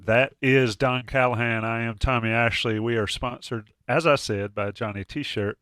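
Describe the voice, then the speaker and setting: A man's voice: mid-range voice, fairly even intonation, moderate pace, a bit bright, clean tone, no echo, studio quality. A man hosting a casual sports chat, stuffy from a cold, joking and restarting often. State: congested with a cold. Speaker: podcast host.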